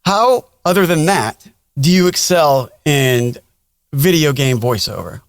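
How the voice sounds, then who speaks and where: A man with a notably high voice hosts a casual podcast interview. He asks questions conversationally, and the recording is dry with little room sound. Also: lively intonation, unhurried, no echo.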